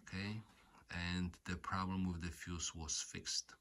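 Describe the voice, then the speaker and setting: A man who is not a native English speaker, giving an unscripted hands-on repair explanation in a halting, repetitive way, often saying okay. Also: deep voice, flat delivery, a bit bright. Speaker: repair tutorial host. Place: indoors at home.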